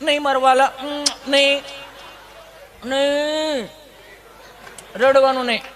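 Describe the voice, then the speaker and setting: A doting mother fusses over her little boy in a soothing, pleading coo, as a comedian acts her out. The voice sits high and bright. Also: little pitch movement, slow, some chatter behind, heavily acted. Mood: fussing, cooing. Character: fussing mother pampering her little son.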